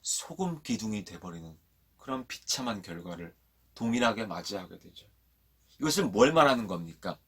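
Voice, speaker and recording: A man preaching a children's sermon, telling a Bible story in a lively way, asking the kids questions and having them repeat lines after him. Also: lowish voice, normal speed, slightly rough. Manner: animated storyteller. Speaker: children's pastor.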